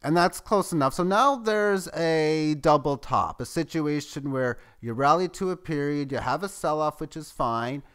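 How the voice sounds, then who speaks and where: A man's voice: moderate pace, hardly any pauses, smooth. Man calling live price ticks. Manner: running play-by-play, excitable at highs. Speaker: market chart analyst. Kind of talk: live trading commentary.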